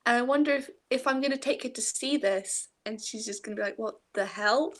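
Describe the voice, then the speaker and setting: A young woman, chatting casually about books and telling stories in a giggly, animated way. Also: fairly high pitch, brisk, crowd noise. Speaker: book discussion co-host. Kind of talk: casual book chat.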